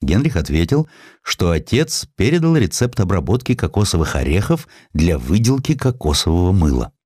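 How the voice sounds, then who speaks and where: A man's voice: low voice, big pitch swings, moderate pace, darkish tone, breathy edge, dry recording, clean studio sound. A man narrating a historical essay as an audiobook, reading expressively and giving the characters voices in their quoted lines.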